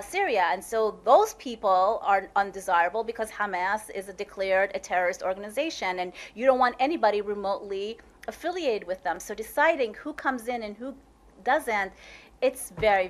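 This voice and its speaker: Woman, lecture Q&A speaker, quick restarts, plain mid voice. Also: mid-range voice. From United States. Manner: talks fast, with frequent restarts and "like". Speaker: guest speaker. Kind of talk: lecture Q&A answers. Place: lecture room.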